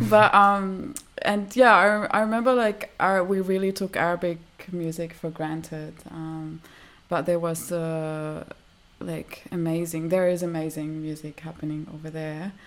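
A woman from Lebanon hosts a radio interview. Her voice sits a little low. She asks open, friendly questions and encourages her guest. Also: little pitch movement, unhurried, a bit bright. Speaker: radio show host.

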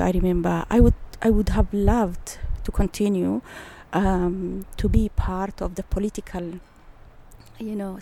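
A woman's voice: medium pitch, gravelly, dark tone, slight background noise. A woman of around sixty, speaking as an interview guest and telling her story in an earnest, thoughtful way. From Eritrea. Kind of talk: casual interview.

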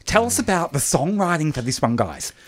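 A man's voice: on the high side, big pitch swings, a little fast. A man hosting a studio interview, asking upbeat, enthusiastic questions. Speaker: radio interviewer. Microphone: studio microphone.

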